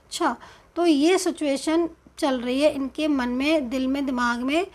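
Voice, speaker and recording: High-voiced woman giving a slow tarot reading. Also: fairly even intonation, darkish tone. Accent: Indian. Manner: slow, hesitant, explanatory, with many fillers. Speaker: tarot card reader.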